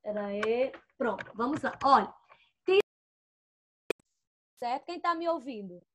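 A woman's voice: fairly high pitch, animated, slight background noise. A woman teaching an online class to young children, patient and coaxing. She uses lots of diminutives and checks in often. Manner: fond of diminutives, spells out syllables slowly. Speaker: first-grade teacher. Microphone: computer microphone, with headphones.

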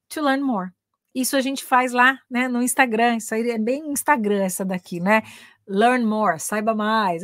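A woman's voice: fairly high pitch, no room sound, studio quality. A woman with a Brazilian Portuguese accent teaching a live online class on English and careers, chatty, dropping English phrases into her talk and ending lines with tag questions. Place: home in England.

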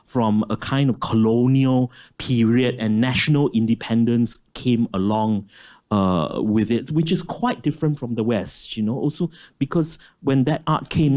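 Brief: male panelist, mid-range pitch, forceful and a bit sarcastic, auditorium stage. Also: normal speed. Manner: emphatic, impatient, mildly sarcastic. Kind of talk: conference panel discussion.

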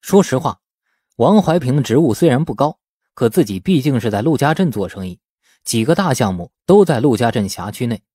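A man narrates an audiobook novel in a husky, mellow voice. His storytelling rises and falls in lively swings of pitch. The sound is dry and close to the microphone. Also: brisk, dry recording.

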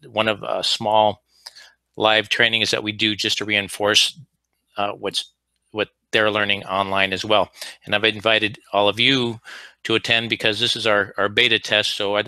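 A man's voice: lowish voice, pushed and bright, clear, resonant tone, no room sound. A man teaching a live online class over slides, explaining at an easy pace with frequent fillers and restarts. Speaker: HVAC instructor.

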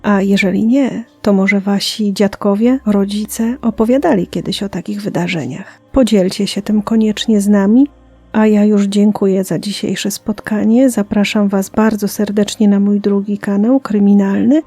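A woman podcast host telling listener stories in a soft, half-whispered storytelling voice. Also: mid-range voice, steady tone, moderate pace, no echo, faint music behind. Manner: hushed, half-whispered delivery.

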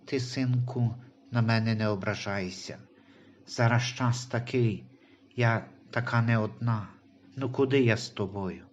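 A man's voice: medium pitch, steady tone, measured pace, highs cut off, a little hiss or hum, close to an everyday voice. A man voicing a desperate, selfish young mother in a Christian audio story, talking in a plaintive, self-justifying way.

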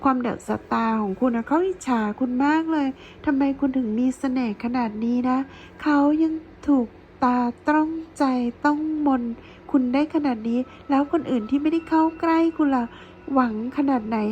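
A woman's voice: high voice, moderate pace, darkish tone, muffled recording, a little hiss or hum. A woman giving a chatty tarot reading to her viewers, playful and gushing, full of teasing praise. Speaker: tarot reader.

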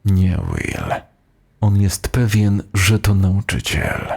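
A man voicing a defiant, foul-mouthed schoolteacher under suspicion in an audio horror story, gruff and agitated. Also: fairly low pitch, slow pace, background noise. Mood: worried.

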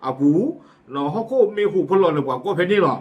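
A man's voice: on the high side, animated, fast, lo-fi sound. A man presenting community news in a casual, chatty way, with frequent fillers and asides. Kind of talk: casual spoken news commentary.

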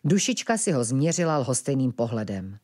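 A woman narrating a children's fairy tale in a soft, calm storytelling voice. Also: extremely low pitch, husky.

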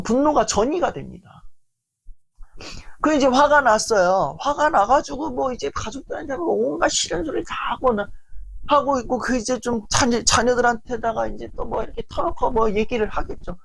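A man giving a lecture on family relationships in a lively, rambling way, often acting out family arguments. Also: very high-pitched, creaky, no room sound. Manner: animated, heavy use of fillers, acts out quoted family arguments. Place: lecture stage.

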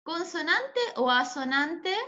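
A high-voiced woman teaches over a video call, speaking slowly and patiently as she quizzes her students. Her tone is bright and clear, and the call audio is muffled. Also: big pitch swings. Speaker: schoolteacher. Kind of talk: online class teaching.

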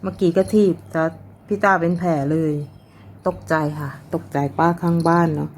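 A woman's voice: lowish voice, steady tone, moderate pace, a little mellow, a little hiss or hum. A woman chatting casually while filming her pet cat, laughing often and talking to the cat between stories. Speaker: cat owner vlogger.

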